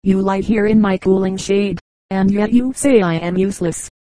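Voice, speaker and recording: A woman's voice: mid-range voice, steady tone, normal speed, mellow, no echo, natural voice. A woman reading as a reproachful talking tree.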